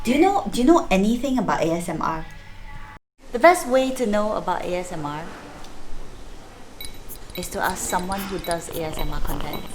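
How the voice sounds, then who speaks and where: A woman's voice: on the low side, expressive, moderate pace, long pauses, a little mellow, slight background noise, low-quality recording. A woman explaining things as a vlog host in an informal, chatty way, often throwing in rhetorical questions. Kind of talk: casual explanatory video narration. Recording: music behind the voice. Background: music.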